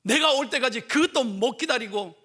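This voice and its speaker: A man's voice: extremely high pitch, animated, moderate pace, bright, forceful tone. A man preaching a sermon as pastor, emphatic, leading the congregation in reading aloud.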